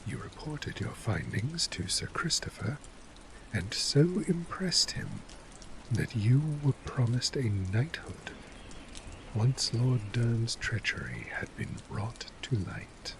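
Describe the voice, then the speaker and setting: A man acts out a shrewd, jaded commander of a fantasy city guard in an ASMR role play. His male voice crackles with gravel and slips into breathy, whispered edges. He speaks very slowly and theatrically, with condescending weight, over faint rainy noise. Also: medium pitch, big pitch swings. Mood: measured, wry. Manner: measured, theatrical, condescending, dramatic pauses.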